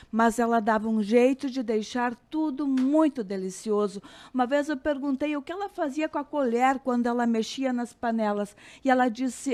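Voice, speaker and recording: A woman with a Brazilian accent giving a calm, reflective scripted radio commentary, slowing down on key phrases. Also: a little high. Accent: Brazilian Portuguese.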